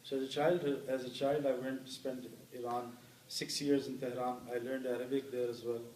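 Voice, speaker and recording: A middle-aged man from Pakistan, an interview guest and former cricketer, telling stories warmly with many fillers. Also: medium pitch, flat delivery, moderate pace, slight background noise. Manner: warm anecdotal telling with many "you know" fillers. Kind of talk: storytelling in an interview. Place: hall with an audience. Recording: roomy hall, voice picked up from a distance.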